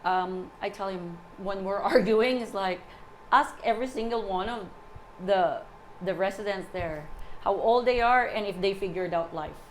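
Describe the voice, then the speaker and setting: A woman in her forties, a guest in casual chat, talking in a halting way with repeated words and many "you know"s. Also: medium pitch, slight background noise, rough recording. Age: 40s.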